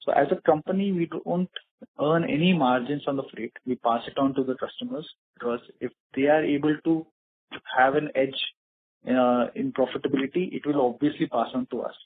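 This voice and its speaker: A man with an Indian accent answers investor questions as a company executive. His voice is a little rough at a middling pitch, and his delivery is formal and measured. It comes through a narrow, thin phone connection. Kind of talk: earnings call question and answer. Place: conference call. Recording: muffled narrowband phone line, slightly rough.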